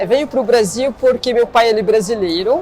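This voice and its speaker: A woman speaks while noticeable background noise fills the recording. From Lebanon, Beirut. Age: 30s. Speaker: immigrant interviewee, psychology student. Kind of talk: interview testimony. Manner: halting, many fillers.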